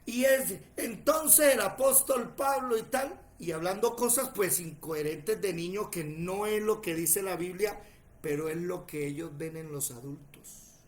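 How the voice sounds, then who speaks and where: A man, preaching a sermon in a church and telling lively stories in which he acts out other people's voices. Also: high-pitched, unhurried, a little hiss or hum. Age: 40s. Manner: animated, tells stories acting out other voices.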